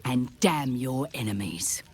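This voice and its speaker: A man playing a weary, honourable tribal warrior in a fantasy video game, speaking in a solemn, formal, measured way. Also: mid-range voice, lively intonation, darkish tone. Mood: solemn gratitude.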